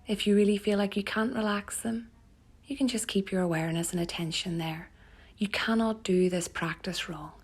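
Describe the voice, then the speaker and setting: In a mid-range voice, this yoga instructor talks listeners through a relaxation meditation. She sounds soft, breathy and soothing, letting gentle pauses fall between phrases.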